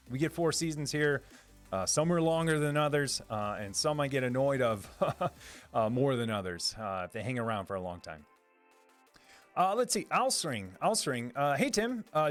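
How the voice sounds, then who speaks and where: Chatty man hosting a live stream. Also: mid-range voice. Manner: rambling and upbeat, many fillers and restarts, laughs often. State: voice a little lower than usual. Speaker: live stream host answering chat. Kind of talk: casual live-stream chat.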